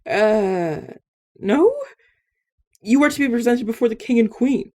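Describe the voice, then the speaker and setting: A prim royal knight acted by a woman, with a mellow voice that jumps widely in pitch. The knight is deferential and easily flustered, formal but stammering, in a fantasy audio drama. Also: animated, measured pace.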